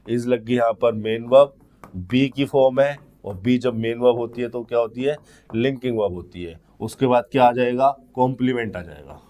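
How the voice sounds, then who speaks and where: This man teaches English grammar for exam preparation, working through each point in steps and answering his own questions. He speaks in a mid-range voice with a dark tone and fairly even intonation. Example sentences get read out very slowly, one word at a time.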